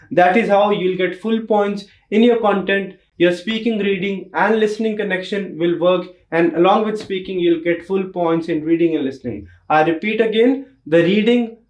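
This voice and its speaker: This instructional tutorial features a young Indian-accented man teaching exam tips, stressing and repeating the main points as a test prep teacher. He speaks in a high-pitched voice with a reverberant sound.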